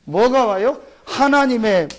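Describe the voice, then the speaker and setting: A man's voice: very high-pitched, lively intonation, slow pace. A man preaching a Sunday sermon as pastor, firing questions at the congregation and answering them himself. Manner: call-and-response questions to the congregation; acts out short exclamations in a mock rural voice. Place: church sanctuary.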